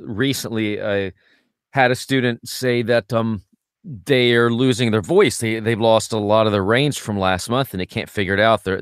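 A man's voice: clear, resonant tone, no room sound, studio quality. A man working as a vocal coach, chatting casually and acting out his students' complaints. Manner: animated, acts out students' complaints in a higher voice. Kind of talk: casual podcast chat.

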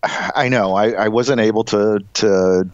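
A man's voice: fairly low pitch, unhurried, no room sound, dull audio. Stuffed-up nasal man with a cold. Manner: dry deadpan jokes. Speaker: podcast co-host. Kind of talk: casual chat.

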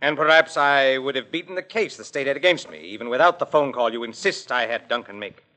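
An actor playing a smug, cold-blooded racketeer in an old-time radio crime drama, taunting and self-assured. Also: male voice, mid-range voice, fairly quick, bright, forceful tone, natural voice.

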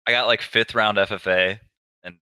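A man in his twenties, a pro gamer guest, telling stories in a relaxed, low-key way with lots of fillers. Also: moderate pace, clear, resonant tone, no echo. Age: 20s. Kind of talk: casual interview storytelling.

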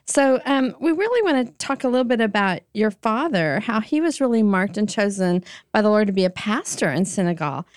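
A woman's voice: medium pitch, clear, resonant tone, dry recording, studio quality. A woman hosting a podcast, interviewing guests in a conversational style. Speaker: podcast host.

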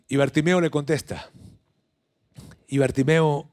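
A man's voice: a little high, steady tone, measured pace, a little mellow. A man preaching a sermon, retelling a story with animation and speaking straight to his listeners.

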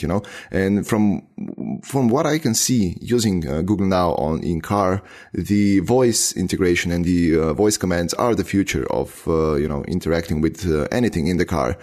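Brief: deep-voiced male host, non-native English, halting, filler-heavy tech talk. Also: a little mellow. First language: not English. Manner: hesitant, many filler pauses. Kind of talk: casual tech chat.

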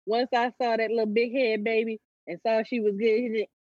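Husky woman in her 30s, chill podcast storytelling, kinda muffled recording. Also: a little high, little pitch movement, brisk, no room sound. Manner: laid-back storytelling. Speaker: podcast co-host. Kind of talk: casual podcast chat.

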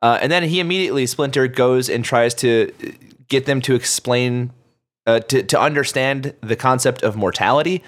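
A man's voice: mid-range voice, normal speed. Chatty man hosting a podcast. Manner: relaxed, chatty, laughs often. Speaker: podcast host. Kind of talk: casual podcast chat.

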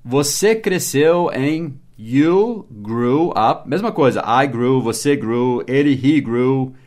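A man with an ordinary mid-pitched voice hosts a relaxed English lesson podcast. He explains patiently, repeats key words and spells them out letter by letter for his listeners. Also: slow pace. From United States and Brazil. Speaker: English teacher and podcast host. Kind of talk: casual spoken English lesson.

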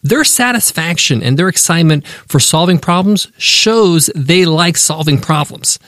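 A man hosting a business podcast, giving emphatic, animated advice and listing his points one by one. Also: fairly high pitch, a little slow, no room sound, studio quality. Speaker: podcast host.

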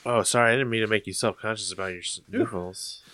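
A man's voice: fairly low pitch, steady tone, fairly quick, pushed and bright. A man co-hosting a podcast, chatting casually about games in a rambling, jokey way. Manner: rambling, jokey, self-deprecating. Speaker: podcast co-host.

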